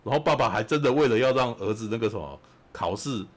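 A man with a Taiwanese Mandarin accent, hosting a podcast and telling a film's story in an animated, chatty way, often asking "you know?". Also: medium pitch, quick pace. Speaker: podcast host. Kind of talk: casual film recap chat.

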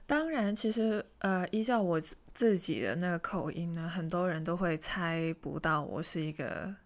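A young woman from Hong Kong casually telling a personal story, chatty and self-mocking, often dropping into hushed asides. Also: lowish voice, lively intonation, moderate pace. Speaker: vlogger.

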